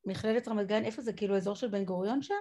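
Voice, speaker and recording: A woman's voice: medium pitch, dark tone. A woman in her forties hosting a casual video call, chatty and encouraging, with many fillers. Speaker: academic event host. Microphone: laptop webcam on a video call.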